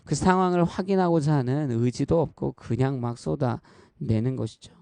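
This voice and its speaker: In church, a man in his thirties delivers an earnest, conversational sermon, frequently speaking directly to the congregation and telling personal stories. His mid-range voice is creaky and mellow, moderately paced, with no room sound.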